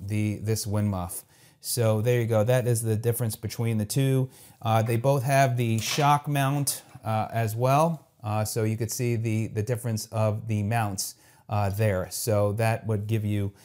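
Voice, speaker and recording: A man's dark, mellow voice, fairly slow and with fairly even intonation, against a quiet background. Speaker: tech reviewer. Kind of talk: product review tutorial. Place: home room.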